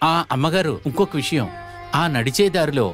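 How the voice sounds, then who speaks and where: An actor playing a fearful household servant who talks in a deferential, pleading way. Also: male voice, on the high side, lively intonation, moderate pace, fairly bright tone, faint music behind.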